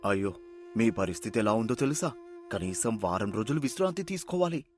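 Kindhearted rural thief, acted by a man, lowish voice, earnest and caring, storybook drama over music. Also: lively intonation, brisk, close to an everyday voice. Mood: caring insistence. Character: kindhearted village thief, orphaned, plain-spoken and caring. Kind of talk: story voice acting.

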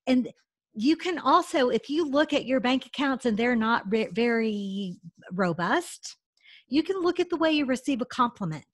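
Hosting a video-call interview over a webcam from a room at home, a middle-aged Southern American woman chatters enthusiastically, sprinkling in fillers like "you know." Her pitch is fairly high, and the sound is clean, studio-like, and free of room sound.

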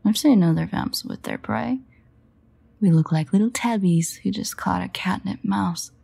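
A woman playing a sardonic, guarded but fond vampire in an intimate audio roleplay, wry and hesitant in manner, with a husky, gravelly voice. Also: mid-range voice, a little slow, mellow, exaggerated voice. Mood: teasing.

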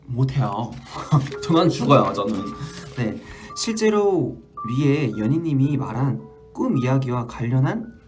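Lively young man chatting on a livestream. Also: medium pitch. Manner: animated, jumpy, reads aloud with restarts. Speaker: idol livestream host. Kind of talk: casual livestream chat reading fan stories.

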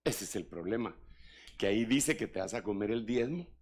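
Older pastor, sermon, swoops up and down a lot, raspy voice. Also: male voice, on the low side, moderate pace. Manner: animated, joking asides to the congregation. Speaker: apostle preaching.

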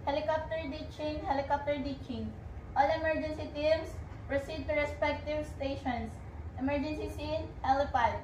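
A crew woman giving a firm, repeated emergency drill announcement over a ship's public-address loudspeaker. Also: high voice, steady tone, moderate pace. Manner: firm, repetitive, urgent. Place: aboard a ship. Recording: echoey, noisy ship loudspeaker.

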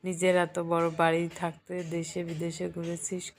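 A woman's voice: on the low side, completely flat delivery, moderate pace, a little hiss or hum, natural voice. A woman doing a grumbling, scolding mother. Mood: reproachful. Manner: grumbling, reproachful. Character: fussy, scolding middle-aged mother.

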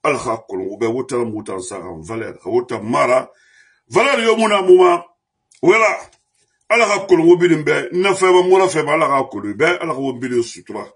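A man from Guinea giving an impassioned political monologue as a diaspora commentator. He is heated, rises to shouts and lists grievances in repeated refrains. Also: medium pitch, expressive, a little fast, breathy edge.

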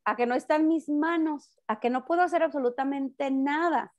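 Loud, high-voiced Mexican woman. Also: normal speed, lo-fi sound. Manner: loud, high-toned voice, restarts and repeats herself often. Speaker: guest mother on a radio talk show. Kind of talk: casual chat.

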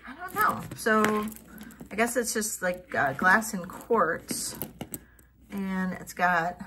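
A middle-aged woman casually showing off vintage jewelry finds, thinking aloud and trailing into soft mutters as she tests stones. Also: lowish voice, background noise. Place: home office at a table.

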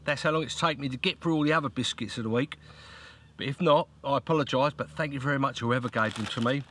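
A man's voice: mid-range voice, fast, fairly bright tone, a little hiss or hum. Middle-aged male vlogger, casual and chatty, close camera mic, faint outdoor ambience. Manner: chatty, repeats "look" often, coos at his dog. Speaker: fishing vlogger. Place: beside a lake, outdoors by a tent. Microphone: handheld camera close to face.

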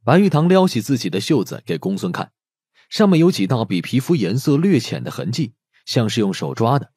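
A man's voice: medium pitch, very animated, brisk, darkish tone, slightly rough, dry recording, clean studio sound. A man narrating a scripted audio drama as a dramatic storyteller. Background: background music.

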